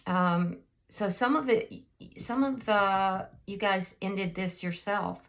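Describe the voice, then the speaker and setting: A woman gives a casual tarot reading at a slow, unhurried pace. Her voice is slightly hoarse from a cold, and she thinks aloud with frequent ums and restarts. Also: medium pitch. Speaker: tarot reader.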